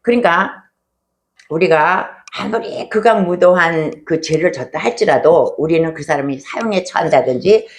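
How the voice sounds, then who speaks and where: A woman's voice: lowish voice, lively intonation, moderate pace. A woman pastor preaching a sermon in a conversational storytelling way, often asking rhetorical questions.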